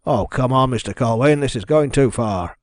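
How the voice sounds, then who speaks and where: A man's voice: mid-range voice, normal speed, a little mellow, no echo, clean studio sound, close to an everyday voice. Man acting a blunt, sceptical policeman. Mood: exasperated. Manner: blunt, challenging. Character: sceptical, exasperated policeman demanding facts.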